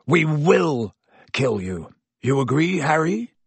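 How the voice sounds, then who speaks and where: A man's voice: medium pitch, big pitch swings, measured pace, vocal fry, husky, no room sound, full character voice. A man voicing a furious, vengeful man for an audiobook, bitter and menacing, with a roaring, snarling delivery.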